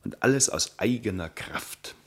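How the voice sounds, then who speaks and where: An unknown painter in a radio drama, quietly jealous of his friend. His voice sits very low and moves with lively, expressive intonation. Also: measured pace. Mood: envious, brooding. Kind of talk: German radio play acting.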